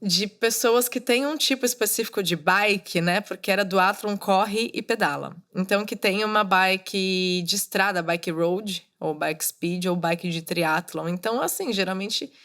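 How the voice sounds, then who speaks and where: A woman's voice: mid-range voice, measured pace, hardly any pauses, fairly bright tone. A woman in her thirties hosting a solo podcast, talking casually and coaching her listeners directly. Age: 30s. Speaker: podcast host. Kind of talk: solo podcast monologue, motivational.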